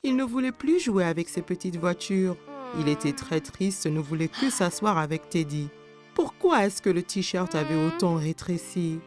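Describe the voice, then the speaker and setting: A woman narrating a scripted story for young children in a clear storytelling manner. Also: fairly low pitch, expressive, normal speed, over music.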